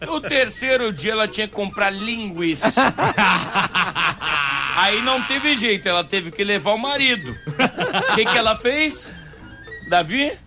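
A man's voice: high-pitched, animated, measured pace, pauses often. A man telling jokes and bantering casually as a radio comedy panelist. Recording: music bed behind the voice.

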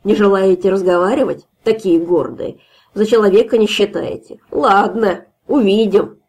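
A woman's voice: mid-range voice, normal speed, darkish tone, breathy edge. A woman doing a drunk swaggering male guard. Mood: drunk taunting. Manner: slurred, swaggering, taunting. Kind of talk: audiobook fairy tale reading.

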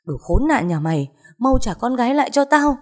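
A woman's voice: on the high side, sing-song, brisk, pitched above the performer's own voice. A woman voicing a desperate mother who screams curses at a ghost. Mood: furious. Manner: shouting, cursing.

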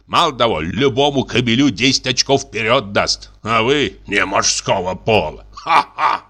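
A man's voice: mid-range voice, animated, measured pace, bright, forceful tone. A man voicing a boastful, pushy, middle-aged army lieutenant who is drinking, exclamatory and wheedling. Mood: boasting. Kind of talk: audiobook character reading.

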